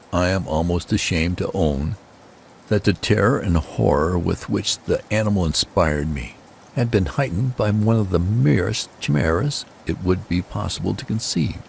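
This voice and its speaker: Gravelly, low-voiced man narrating gothic horror. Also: expressive, normal speed, a little mellow, slight background noise. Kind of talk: dramatic scripted narration of a gothic horror story.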